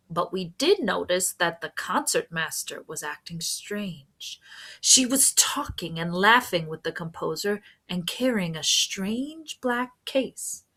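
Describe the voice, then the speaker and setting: A woman's voice: on the low side, bright, forceful tone, heavily acted. A woman voicing bitter, neglected, self-pitying violas in a storybook, complaining and aggrieved.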